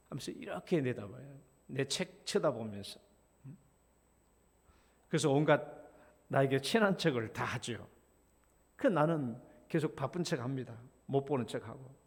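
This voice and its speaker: A man's voice: mid-range voice, expressive, moderate pace, pauses often, husky, big-room sound. A middle-aged man, a senior pastor, preaching a sermon in a storytelling way, acting out a child's pleading and his own pretended reluctance. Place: church sanctuary.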